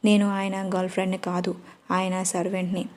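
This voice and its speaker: A woman doing a fierce young fighter heroine in an audio story, blunt and threatening. the delivery stays flat, with little melody. the tone is mellow rather than sharp. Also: on the low side, fairly quick, close to an everyday voice.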